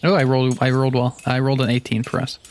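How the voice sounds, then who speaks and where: A man's voice: mid-range voice, completely flat delivery, racing. Casual man playing a tabletop game, slight noise.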